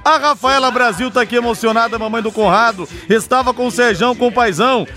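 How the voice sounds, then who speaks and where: A radio host with a very high, bright, forceful voice speaks emphatically and with exclamations. Faint music plays under him. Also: male voice, quick pace. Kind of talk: nostalgic radio chat.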